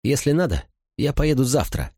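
A man's voice: mid-range voice, sing-song, normal speed, a little mellow, slightly rough, no room sound, clean studio sound, voice pushed up. A man voicing a wary, eager young woman thief in an audiobook, speaking earnestly and a little uncertainly.

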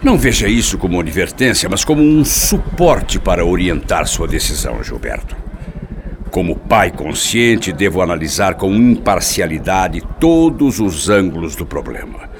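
An actor playing a scheming middle-aged Brazilian father who feigns tender concern, smooth-talking and solemn in radio soap opera style. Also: deep voice, very animated, normal speed. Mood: gravely paternal. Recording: noisy, hissy radio drama recording.

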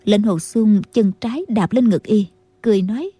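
A woman narrating a martial-arts novel as an audiobook, in a steady storytelling manner. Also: mid-range voice, normal speed, slightly rough, no echo.

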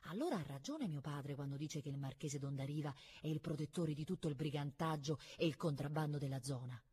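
A woman's voice: low-pitched, brisk, warm tone, breathy edge. A woman reading aloud and voicing a proud, touchy young noble boy who speaks indignantly and boastfully.

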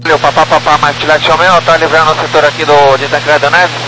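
Brazilian man, higher-pitched pilot, terse police-radio readbacks, heavy hum on the two-way channel. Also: flat delivery, fairly quick, sharp tone. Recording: noisy, humming cockpit radio.

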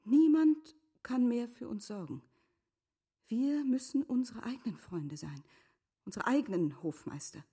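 Breathy, earnest middle-aged wife. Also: female voice, on the high side, expressive, heavily acted. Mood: insistent, pleading. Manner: measured, articulate, formal, often dropping to a hushed, breathy tone. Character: composed, earnest middle-aged wife pleading with straying husband. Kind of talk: German literary radio drama acting.

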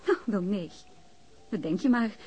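A woman's voice: mid-range voice, animated, a little slow, lightly acted. An actress in her twenties playing a hurt, reproachful young woman who pleads with an older lover in a radio drama. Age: 20s. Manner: emotional, reproachful. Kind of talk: Dutch radio drama acting. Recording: radio play with soft music underneath.

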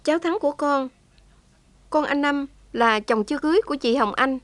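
A woman's voice: high voice, normal speed, no room sound, voice pushed up, lightly acted. A woman voicing a young heroine who is daring and tender, pleading with feeling. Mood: tender, tearful. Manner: impassioned, tearful pleading.

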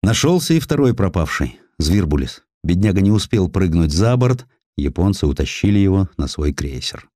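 A man with a low, dark-toned voice reads historical prose in a dramatic storytelling style. His delivery is measured and expressive. The sound is close and very dry, as from a studio microphone. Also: no room sound. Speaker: audiobook narrator.

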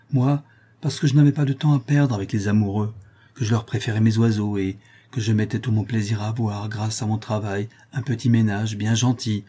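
A man's voice: on the low side, breathy edge. A man reading an audiobook aloud, voicing a cheerful, talkative young Parisian seamstress. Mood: earnest. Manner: lively, affectionate, talkative.

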